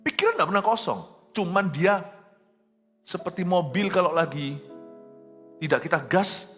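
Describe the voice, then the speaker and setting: A man's voice: high voice, moderate pace, faint music behind. A middle-aged man preaching a sermon, telling stories and acting out quotes, dropping in English phrases. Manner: animated preaching with jokes and acted quotes, mixing in English phrases. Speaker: pastor.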